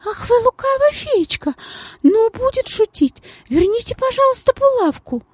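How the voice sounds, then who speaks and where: A woman's voice: extremely high pitch, sing-song, normal speed, no echo, pitched above the performer's own voice. A woman voicing a stout, genteel lady with a thin, piping voice and an affected, sugary manner in a storybook reading. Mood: fussy reproachful. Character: stout genteel lady, shrill, saccharine then venomous.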